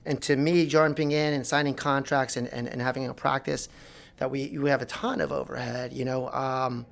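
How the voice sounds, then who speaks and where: A man in his forties from South Florida, a plastic surgeon talking casually as a podcast guest, animated and rambling with many restarts. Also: medium pitch, moderate pace, creaky. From South Florida, United States. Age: 40s. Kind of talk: casual interview talk. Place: podcast studio.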